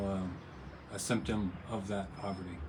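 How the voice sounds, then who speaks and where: A quiet, somewhat breathy man's voice, fairly low in pitch, with an American accent and audible room echo. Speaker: viewer visiting a travel vlogger. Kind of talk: casual interview on a livestream. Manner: halting.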